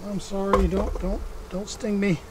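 A man's voice: high voice, little pitch movement, unhurried. A middle-aged man casually narrating as he works outdoors, in a folksy way, as if chatting to himself. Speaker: beekeeper and vlog host. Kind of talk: casual narration while working at a hive. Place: outdoors in a wooded yard. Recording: outdoor audio with clear background noise. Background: outdoor ambience, buzzing insects.

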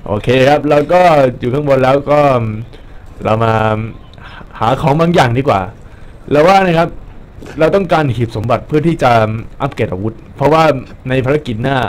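Excitable young man narrating a game. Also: mid-range voice, normal speed. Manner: joking, excitable, swears at enemies. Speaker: gameplay commentator. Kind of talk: casual Let's Play commentary.

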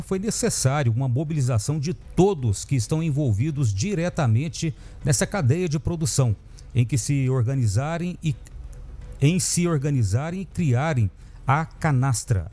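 Man with a mellow voice reading news. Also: medium pitch. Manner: steady, measured reading of lists. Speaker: radio news presenter. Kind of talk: read news report. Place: radio studio. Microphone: studio mic on a boom.

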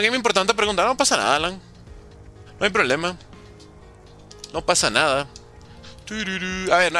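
A young man commentates his live game stream, reading viewers' questions aloud and joking back at them. His voice is very bright and sits a little high, and his pitch jumps around a lot. Faint game music plays behind him. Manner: joking, reads chat questions aloud and answers playfully. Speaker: gaming streamer.

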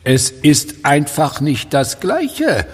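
An actor playing a sadistic werewolf clinic director in a horror audio drama, with a gravelly voice and a theatrical, mockingly polite manner. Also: male voice, a little high, wildly swooping pitch, slow, heavily acted. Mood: gloating.

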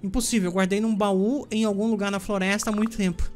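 A Brazilian man reading a cautious fisherman's game lines in a flat, plain voice. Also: high voice, a little fast, faint music behind, lightly acted. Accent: Brazilian Portuguese. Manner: reads game dialogue aloud in a flat voice.

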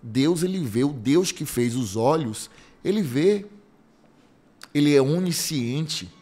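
A Brazilian man, a bishop, preaching conversationally, telling a story with quoted dialogue and slow, emphatic repetitions. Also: medium pitch, expressive, dark tone. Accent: Brazilian Portuguese. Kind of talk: conversational sermon.

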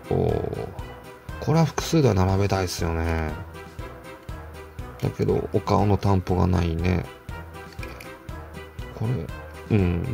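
A man's voice: fairly low pitch, vocal fry. A man casually chatting to himself while opening toy cars, muttering asides and chuckling. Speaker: toy car collector vlogger. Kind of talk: casual unboxing chat.

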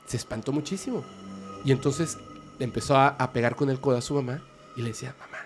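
Podcast guest, male, mid-pitched voice, vivid casual storyteller with faint music behind. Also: a little fast.

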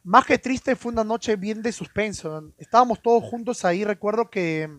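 A man spins a story for his stream audience, stumbling over and repeating his words. His voice sits high. The sound is dry and close, with no room echo. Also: normal speed, a bit bright. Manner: stammering, repeats words, swears casually. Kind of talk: casual storytelling on a live stream.

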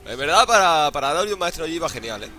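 A man's voice: fairly high pitch, sing-song, fast, bright, forceful tone, soft background music. A hungover man with an accent from Spain giving casual, jokey, foul-mouthed gameplay commentary. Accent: Spanish (Spain). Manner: crude, jokey, profane slang. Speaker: gaming YouTuber.

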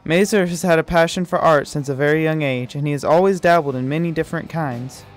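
A man narrating a short documentary from a script, in an even read-aloud manner. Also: fairly high pitch, brisk. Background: light music.

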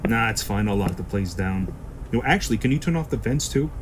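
A man's voice: fairly low pitch, animated, brisk, lightly acted. Man playing sardonic black-market boss over noisy ambience. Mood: businesslike. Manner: sarcastic, swearing. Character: foul-mouthed, sly black-market shop boss, grimly pragmatic. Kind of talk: science-fiction audio drama acting.

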